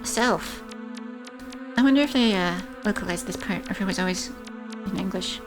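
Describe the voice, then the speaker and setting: A woman's voice: mid-range voice, normal speed. Woman, game streamer, casual running commentary, reads game text aloud, game music underneath. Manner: reads in-game poems aloud, chats to chat. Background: game music and insect sounds.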